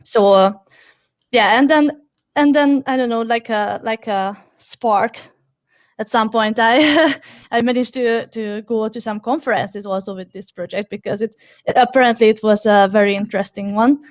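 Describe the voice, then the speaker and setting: A woman in her thirties, originally from Hungary, tells her story as a guest in a casual interview. Her voice sits a bit high, and she stumbles through fillers and restarts with frequent laughs. The sound is dry and somewhat dull. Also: moderate pace, no room sound. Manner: hesitant, many fillers and restarts, laughs often.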